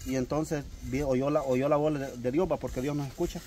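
A man's voice: medium pitch, steady tone, normal speed, a little mellow. A man, speaking in a preachy manner. He retells scripture with rising emphasis. A faint hiss runs under the recording. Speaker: religious cousin. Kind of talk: comedic sketch conversation.

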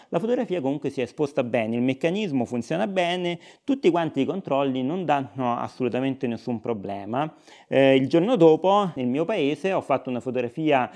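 A man's voice: mid-range voice, darkish tone. A man narrating a casual vlog, chatty and explanatory with frequent hesitations. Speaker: vlogger.

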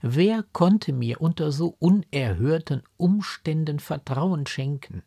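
A man's voice: a little high, expressive, takes it slowly, vocal fry, dark tone, voice pushed up, heavily acted. A man reading the part of a young noblewoman in a classic audiobook, with agitated, exclaiming speech. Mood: distraught. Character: young noble lady, bewildered and distraught.

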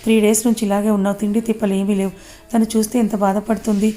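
A woman's voice: mid-range voice, little pitch movement, fast talker, dark tone, close to an everyday voice. Woman voicing a fretful young male friend. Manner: scolding, pleading.

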